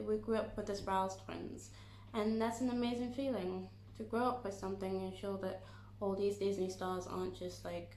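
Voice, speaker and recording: Audible room echo and noticeable background noise accompany a woman talking. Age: 20s. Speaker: YouTuber. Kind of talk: casual vlog chat. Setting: talking to camera. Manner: casual, hesitant.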